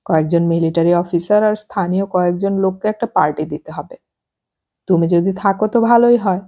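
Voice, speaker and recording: A woman doing an easygoing husband in his thirties for an audiobook, low, husky, calm and coaxing. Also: brisk.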